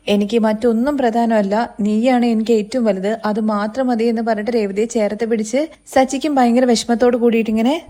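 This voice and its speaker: A woman tells the story of a serial episode at a fast, rushing clip, in a chatty way. Her voice sits a little high and sounds warm and mellow. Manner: chatty, retells scenes and quotes characters in her own voice. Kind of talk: casual spoken episode recap.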